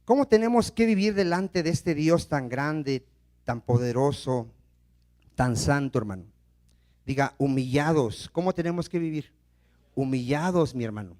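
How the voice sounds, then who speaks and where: A male pastor preaching a sermon, asking the congregation questions and letting them finish his sentences, moving between loud emphasis and hushed asides. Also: on the high side, unhurried. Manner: call-and-response questions to the congregation.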